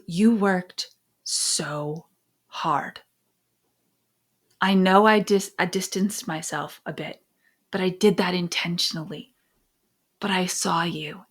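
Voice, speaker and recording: A middle-aged American woman sharing personal stories and parenting advice as a podcast host, phrasing things emphatically with deliberate pauses. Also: fairly low pitch. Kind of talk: conversational advice and personal storytelling.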